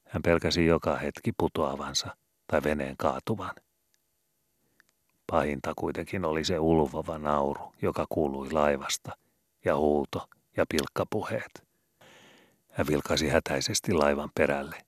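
A man reading a story aloud in calm, measured scripted narration. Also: very deep voice, no room sound, studio quality. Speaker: audiobook reader.

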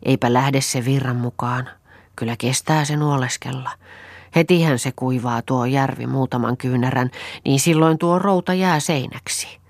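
A woman's voice: very deep voice, dry recording. A woman voicing a fretful, grumbling young countrywoman who wails and mutters complaints, in a storybook reading.

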